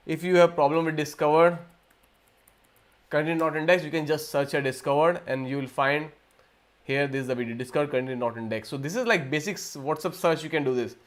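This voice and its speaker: A man from India hosting a live Q&A stream, talking casually and rambling with frequent restarts and repeated words. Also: fairly high pitch. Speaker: livestream host.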